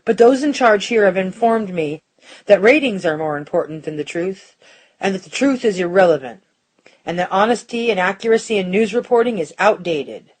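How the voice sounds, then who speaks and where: A woman's voice: medium pitch, lively intonation, slightly rough, low-quality recording. A woman playing a principled, defiant news reporter delivering an earnest, formal on-air editorial in an audio drama. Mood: indignant defiance. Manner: earnest, measured, rhetorical.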